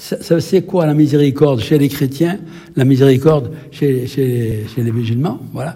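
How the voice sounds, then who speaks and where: A man talks at a fairly slow pace in a somewhat breathy voice. His tone is dark and mellow, with lively intonation. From Algeria. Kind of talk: radio interview.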